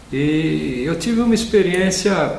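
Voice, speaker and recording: Man's voice with audible room echo and noticeable background noise. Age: 60s. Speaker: lawyer and spearfisherman sharing a near-death experience. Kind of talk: personal testimony. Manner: hesitant, with self-corrections.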